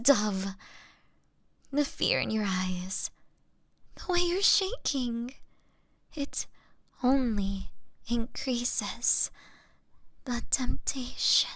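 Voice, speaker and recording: A gentle vampire woman, acted by a female performer in an intimate audio drama, speaks slowly and formally in a fairly high, breathy voice that often drops to a whisper. She is apologetic yet straining against bloodlust. The recording is close and dry. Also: dry recording, heavily acted.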